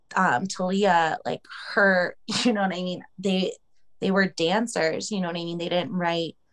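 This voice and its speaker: A woman with a normal speaking voice and an American accent talks at a moderate pace, fairly low in pitch, with fairly even intonation. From US, Pennsylvania and Colorado. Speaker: tarot and mythology practitioner. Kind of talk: casual interview.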